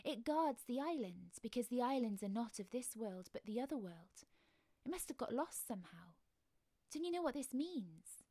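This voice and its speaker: A woman putting on a weepy young mermaid from a storybook who speaks high, wistful and a bit breathless. The voice has a gravelly edge and a mellow, dark tone. It is recorded dry and close, with no room sound. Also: lively intonation, moderate pace, no echo. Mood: eager. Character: lonely tearful young mermaid girl.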